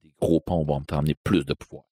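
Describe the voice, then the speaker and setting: A man with a Québécois accent voicing a tall, gaunt, menacing stranger in black, speaking slowly, low and hushed. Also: fairly even intonation, breathy edge, no echo. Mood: ominous. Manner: slow, low, hushed and ominous.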